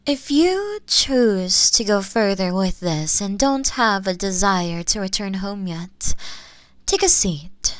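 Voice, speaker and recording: A woman voicing a gentle, ageless otherworldly spirit in a comforting audio roleplay, speaking softly and formally with breathy, near-whispered phrase endings. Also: medium pitch, no echo. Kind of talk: scripted comforting audio roleplay, soft ASMR delivery.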